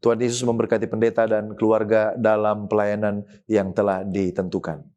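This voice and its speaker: A man's voice: on the low side, flat delivery, normal speed, a little mellow, muffled recording. A man, a pastor, hosting a church discussion program, thanking his guest and signing off in a formal, courteous way. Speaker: host, pastor.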